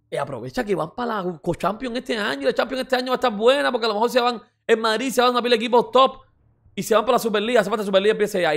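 Reaction host, male, high-pitched and quick, mocking and rambling with slang. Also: a bit bright. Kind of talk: excited casual reaction commentary.

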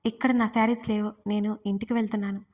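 A woman narrator doing a lively young bride who protests and jokes with her friends. The voice stays mid-pitched and fairly flat. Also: natural voice. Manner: bubbly and quick to protest.

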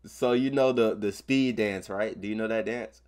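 A man's voice: fairly low pitch, normal speed, heavy background noise. Brash young man roasting strangers, laughing. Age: young adult. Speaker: streamer trolling strangers on video chat. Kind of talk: crude prank banter. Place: bedroom, indoors.

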